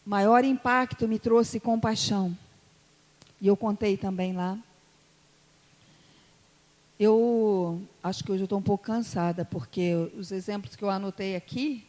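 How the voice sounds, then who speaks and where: A woman pastor from Brazil, with a Brazilian Portuguese accent from Espírito Santo, preaching a sermon and telling stories, going from soft asides to loud emotional peaks. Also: medium pitch, normal speed, pauses often. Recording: long hall reverb.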